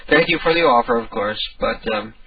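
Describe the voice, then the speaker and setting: A man hosting a prank call show, rambling in a casual, sardonic way with a gravelly, creaky voice. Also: mid-range voice, a little fast, dry recording. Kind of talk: casual live radio chat. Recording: dull band-limited radio, distant.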